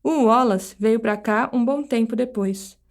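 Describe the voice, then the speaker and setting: Brazilian woman podcast host, scripted narration, measured storytelling, voice a touch high. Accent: Brazilian Portuguese.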